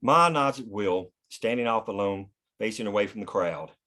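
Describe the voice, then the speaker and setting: A man's voice: fairly low pitch, expressive, normal speed, bright, forceful tone. A man reading scripted stage directions plainly in the present tense, as narrator at a table read.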